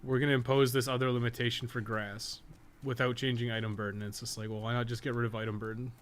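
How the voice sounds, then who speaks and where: A man giving casual, rambling live commentary as he plays a game, thinking out loud and swearing freely. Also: medium pitch, flat delivery, fast. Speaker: game streamer and guide maker.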